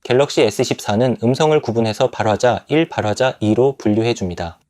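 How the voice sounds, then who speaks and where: A man delivers a scripted tech review voice-over at a quick clip. His manner is polite and explanatory, his pitch sits in the middle, and the recording is close and dry. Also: mellow, no room sound.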